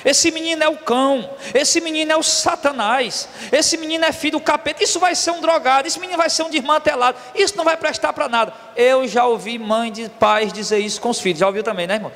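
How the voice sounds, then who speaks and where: Very high-pitched and fast with hardly any pauses, a slightly bright male voice rings with a long reverb tail. It belongs to a Brazilian pastor in his forties, Brazilian Portuguese accent, who preaches emphatically, repeats key words, and calls his listeners brothers.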